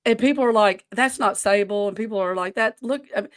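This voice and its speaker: A woman's voice: medium pitch, fairly quick. A woman in her forties co-hosts a casual talk show. She speaks in a loose, rambling way and often wanders away from her point. The delivery is conversational and unscripted. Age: 40s. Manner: rambling, easily sidetracked. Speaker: podcast co-host running a wrestling quiz. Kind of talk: casual chat.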